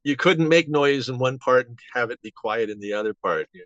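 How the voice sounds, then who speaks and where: A man in his seventies reminiscing casually as an interview guest, halting and rambling with false starts. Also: mid-range voice, fairly bright tone, no room sound. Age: 70s. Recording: dull, band-limited audio.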